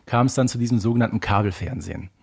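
A man's voice: lowish voice, very fast, vocal fry, darkish tone, breathy edge. A man speaking as a podcast guest, giving commentary in a conversational way.

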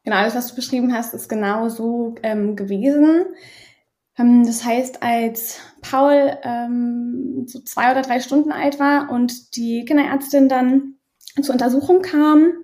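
With a fairly high, mellow voice and fairly even intonation, a woman in her thirties speaks unhurriedly as an interview guest. Originally from Berlin and brought up bilingual in German and French, she recounts her story candidly, hesitant and full of fillers.

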